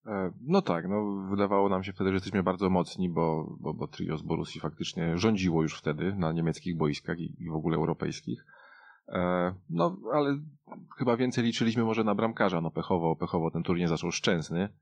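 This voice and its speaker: A man in a casual football discussion, talking haltingly and often repeating words as a panelist. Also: deep voice, vocal fry, a little mellow, no echo, dull audio. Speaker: podcast panelist. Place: dry radio studio.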